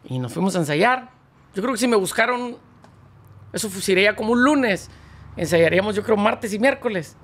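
A man, a band founder and accordionist, telling slangy, animated anecdotes as a guest in a casual interview. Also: high-pitched, moderate pace.

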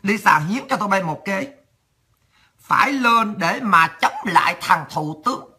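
A woman's voice: medium pitch, animated, unhurried, sharp tone, breathy edge. A woman with a Southern Vietnamese accent delivering a heated, sarcastic, coarse political rant as a commentator.

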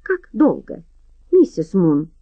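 A woman reading an audiobook, voicing a male detective who asks his questions gently and carefully. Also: medium pitch, huge pitch swings, slow, breathy edge, dry recording, lo-fi sound, heavily acted.

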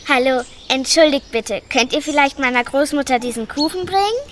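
A woman's voice: high-pitched, lively intonation, a little fast, slight background noise. A woman playing Little Red Riding Hood as a chatty, eager young girl in a children's radio play.

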